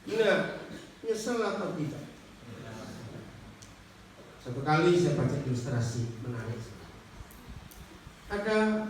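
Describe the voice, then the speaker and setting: A male preacher giving an animated sermon, telling a story and quizzing his congregation directly. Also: mid-range voice. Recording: echoey hall from far off with faint noise.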